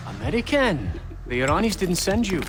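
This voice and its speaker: A slippery black-market broker in a high, very animated voice. He is formal yet pleading and evasive, a game character bargaining for his safety over music. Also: normal speed. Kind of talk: video game cutscene acting.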